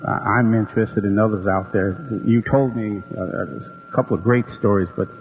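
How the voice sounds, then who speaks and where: A man hosting a radio interview, stammering through restarts and backing the guest with soft affirmations. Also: lowish voice, steady tone, moderate pace, slight background noise. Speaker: radio host. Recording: tinny phone-like radio with long reverb and faint music.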